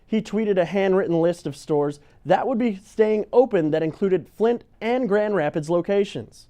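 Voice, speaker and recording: Male local newsreader, high pitch, mellow tone, reading scripted items. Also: moderate pace. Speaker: local news presenter. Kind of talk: scripted news narration.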